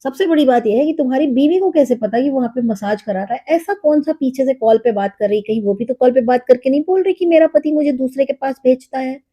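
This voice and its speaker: Husky high-voiced woman, mocking. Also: fairly quick, few pauses, mellow, lo-fi sound. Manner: mocking, scolding, mixes in English phrases. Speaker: reaction video host. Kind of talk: sarcastic reaction commentary.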